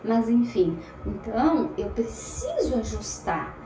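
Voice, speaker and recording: High-voiced woman teacher, chatty and energetic, unhurried pace, recorded on computer audio. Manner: talks fast and a lot, animated, self-described anxious. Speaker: psychology lecturer. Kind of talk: online lecture. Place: home room at a computer. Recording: roomy sound, faint background noise.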